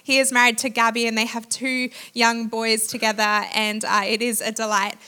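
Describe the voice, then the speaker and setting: A woman introducing a guest speaker and reading scripture, pausing often with "uh" and slowing down for the verses. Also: fairly high pitch, level tone, clean tone. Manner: warm, with frequent "uh" pauses, slows for scripture. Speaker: church leader introducing the speaker.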